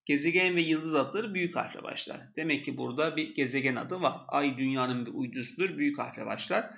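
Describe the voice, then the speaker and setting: A man's voice: on the high side, a little fast, vocal fry, fairly bright tone, muffled recording. A male teacher walking through exam questions step by step and repeating the key points.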